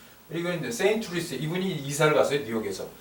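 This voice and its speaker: The speech comes very fast with lively intonation. Noticeable background noise and audible room echo fill the recording. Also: man. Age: 60s. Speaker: negotiation lecturer. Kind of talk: lecture. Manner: halting.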